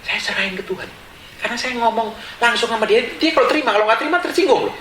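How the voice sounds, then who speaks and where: A pastor, preaching with animated storytelling and acting out the people in his stories. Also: very high-pitched, very fast, slight background noise. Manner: animated, acts out quotes and laughs along. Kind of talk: storytelling sermon. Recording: echoey room with faint ambience.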